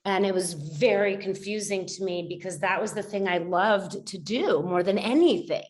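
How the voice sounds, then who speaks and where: A woman's voice: mid-range voice, normal speed, a little mellow. A middle-aged woman talking as a podcast guest, reflective and rambling, with many fillers and restarts. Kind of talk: casual conversational interview.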